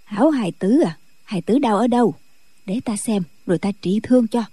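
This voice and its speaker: A man's voice: high voice, lively intonation, brisk, mellow, breathy edge, no room sound, voice pushed up. A man voicing a hot-tempered older Buddhist nun who scolds sharply. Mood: gentle.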